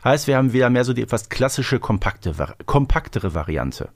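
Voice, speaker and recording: A man with a mid-pitched male voice speaks as co-host of a review podcast. His delivery is conversational, recorded dry with hardly any room echo. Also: big pitch swings, a little fast. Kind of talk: conversational audio drama review.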